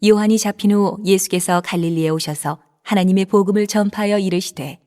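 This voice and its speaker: A woman's voice: medium pitch, fairly quick, dark tone. Woman narrating scripture in reverb. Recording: long reverb.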